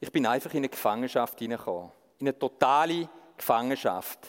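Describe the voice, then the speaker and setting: A man in a Swiss accent, with ordinary pitch variation. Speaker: former addict giving testimony. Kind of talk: testimony. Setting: stage with audience. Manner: animated.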